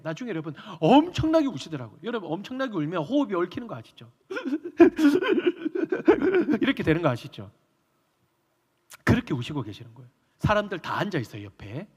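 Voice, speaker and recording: A male pastor preaching a storytelling sermon in a church sanctuary, acting out the dialogue of the people he describes. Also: high voice. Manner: animated, acts out dialogue. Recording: reverberant church hall.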